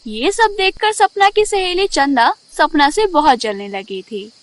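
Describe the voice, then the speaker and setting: A woman tells a children's fairy tale from a script. Her voice is very high and animated in its melody, and the recording is dry with no room sound. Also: measured pace, no room sound. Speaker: storyteller, narrator.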